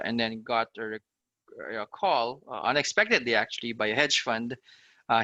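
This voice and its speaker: A man's voice: fairly low pitch, pushed and bright, no room sound, dull audio. A man, a podcast guest telling his career story in an upbeat way, with lots of "uh" and "you know". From Philippines. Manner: upbeat, talks in long runs full of "uh" and "you know". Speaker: guest, fintech startup founder. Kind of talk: casual podcast interview.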